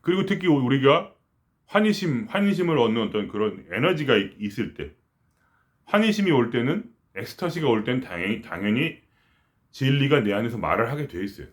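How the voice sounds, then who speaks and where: A middle-aged man giving a casual spiritual talk, rambling and conversational, with frequent restarts and quiet murmured asides. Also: mid-range voice, sing-song, brisk. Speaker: spiritual teacher.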